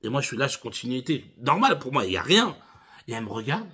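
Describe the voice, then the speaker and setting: A driving instructor in his thirties tells funny anecdotes to camera, casually calling his viewers "les gars." His medium-pitched voice is fast and slightly rough, and his storytelling is animated.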